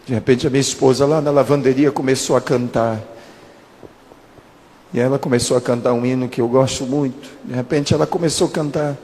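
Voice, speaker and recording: A man in his thirties, a pastor giving a sermon testimony, telling his story slowly and dramatically and acting out the dialogue. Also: medium pitch, steady tone, a little mellow. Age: 30s. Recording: long reverb of a hall.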